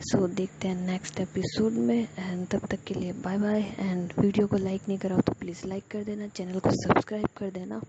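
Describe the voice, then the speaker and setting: A woman's voice: mid-range voice, level tone, normal speed, few pauses. A woman casually telling a serialized story, acting out each character's lines in a chatty way. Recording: dull lo-fi with loud noise.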